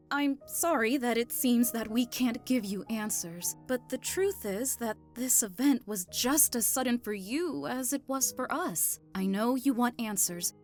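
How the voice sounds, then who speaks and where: An actress playing an eager, nosy but kindly woman doctor, clinical and polite, in an audio drama. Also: on the high side.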